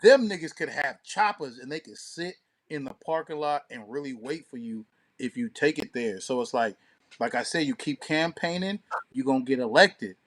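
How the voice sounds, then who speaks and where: A man's voice: medium pitch, lively intonation, normal speed, fairly bright tone. A man co-hosting a casual podcast, talking in an opinionated, emphatic, slangy and profane way. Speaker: podcast co-host and DJ.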